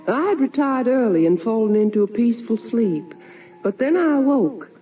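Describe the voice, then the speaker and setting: Ghostly middle-aged mother, radio play: very slow, halting, sorrowful, on a dull, noisy old recording. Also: fairly low pitch, husky. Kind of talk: radio drama monologue.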